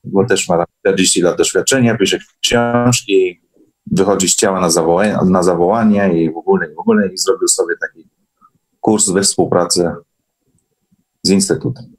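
A man's voice: deep voice, steady tone, normal speed, rough recording. A man speaking as a guest in a casual online interview, explaining things conversationally. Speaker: guest recounting course experiences. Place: online call.

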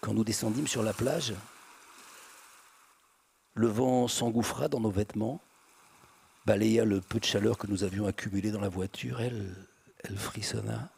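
A man reading a novel aloud in a slow, deliberate way, pausing and hesitating now and then. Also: fairly low pitch, fairly even intonation, vocal fry, a little mellow, breathy edge. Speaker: reader.

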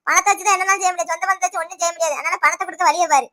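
Cartoon: woman as a money-minded sister-in-law, stern and preachy, fast and bright, Tirunelveli Tamil. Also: extremely high pitch, steady tone. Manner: lecturing, blunt, money-minded. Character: rich, scolding older sister-in-law. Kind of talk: animated cartoon voice acting.

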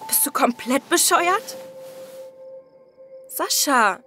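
A woman's voice: high voice, expressive, very slow, loud music behind the voice, full character voice. An actress playing a blunt, exasperated girlfriend in an audio drama, with slangy, naturalistic speech. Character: blunt, exasperated girlfriend longing for settled life. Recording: radio play with faint background noise.

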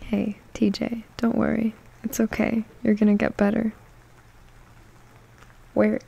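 A woman hosting a soft-spoken ASMR video, playful and giggly, often slipping into whispers. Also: mid-range voice, completely flat delivery, slow pace, creaky, slightly rough, dull audio. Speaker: ASMR channel host.

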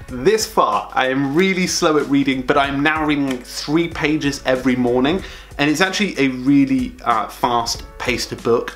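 A young man talking to camera from a small home office, sharing monthly recommendations in a chatty, upbeat way and lifting his voice at each new item. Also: mid-range voice. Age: young adult. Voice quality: calls his own voice monotone. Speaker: productivity vlogger. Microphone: camera close up at desk.

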